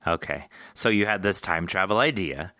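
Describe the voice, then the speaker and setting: A man's voice: deep voice, animated, normal speed, sharp tone, no room sound, studio quality. A man hosting a podcast in a casual, effusive, rambling and jokey interview style. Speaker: podcast host.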